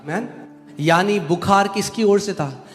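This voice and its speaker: A man's voice: sits high, takes it slowly. A man preaching an emphatic sermon in a church hall, switching between Hindi and English. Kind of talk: sermon with interpreter. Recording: music bed, long hall reverb.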